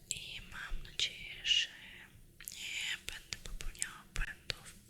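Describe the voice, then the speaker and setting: Over noticeable background noise, a woman whispers very slowly with a non-native accent. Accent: non-native Polish, still learning. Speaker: ASMR creator. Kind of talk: ASMR casual talk about books. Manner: whispered, soft-spoken.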